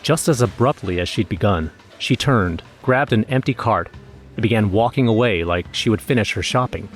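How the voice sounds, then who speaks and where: Man acting an uneasy young narrator, lowish voice, scripted horror storytelling, music underneath. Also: moderate pace, lightly acted. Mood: uneasy, tense. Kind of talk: first-person scripted horror narration with acted dialogue.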